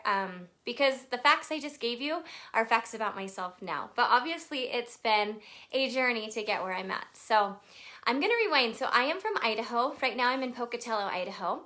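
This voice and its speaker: A woman's voice: a little high, bright, forceful tone. A woman in her thirties from Texas, chatting nervously on a casual live video and greeting viewers by name. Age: 30s. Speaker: livestream presenter.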